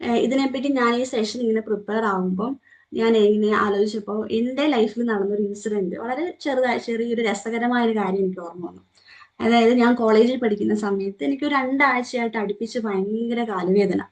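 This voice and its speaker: A woman's voice: on the high side, normal speed. A young woman with a Malayali accent leads a group training session, asking the listeners questions and acting out quoted remarks. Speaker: trainer leading a morning session. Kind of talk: interactive talk to a group.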